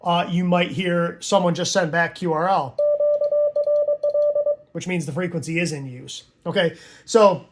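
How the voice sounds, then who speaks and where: A man's voice: fairly high pitch, steady tone, unhurried, long pauses. A man giving an informal tutorial in a conversational way, often checking that the listener follows. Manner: conversational, checks understanding with tags like "right?" and "okay?". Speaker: amateur radio hobbyist teaching Morse code.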